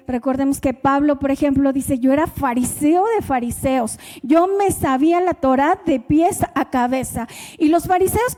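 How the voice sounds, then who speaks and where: Mexican woman preacher, high warm voice, chatty sermon, reverberant church hall. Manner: conversational, asks the congregation questions.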